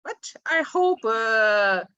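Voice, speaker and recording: A woman's voice: fairly high pitch, very animated, sharp tone, no room sound, lo-fi sound. A woman in her forties from Ukraine, a native Russian speaker, giving a conference presentation in English with many hesitant "uh"s. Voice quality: frequent hesitations, many drawn-out "uh"s. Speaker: symposium presenter, English teacher.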